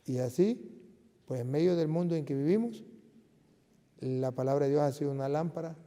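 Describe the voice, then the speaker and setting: A man's voice: on the high side, normal speed, mellow. A middle-aged man, a Catholic priest giving an earnest, emphatic personal testimony with frequent restarts. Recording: long reverb of a large hall.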